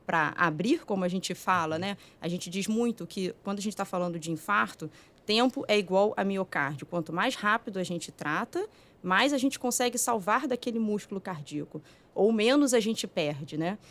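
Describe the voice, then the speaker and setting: A woman cardiologist with a Brazilian Portuguese accent, calmly and methodically explaining heart disease in a podcast studio. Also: mid-range voice, normal speed. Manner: calm, methodical explaining with frequent "né". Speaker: cardiologist guest. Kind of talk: explanatory medical talk.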